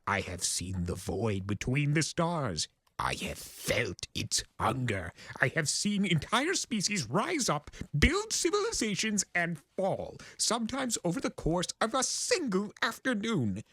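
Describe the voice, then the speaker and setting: An ancient male chimera, lord of chaos, for a cartoon fan story. He is grandiose and exasperated, leaping high and swinging hugely in pitch. The voice has a slightly husky edge and stretches key words for theatrical effect. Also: a bit bright, dry recording, full character voice. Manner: theatrical, grandiose, indignant, drawn-out emphasis. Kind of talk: dramatic cartoon fan fiction reading.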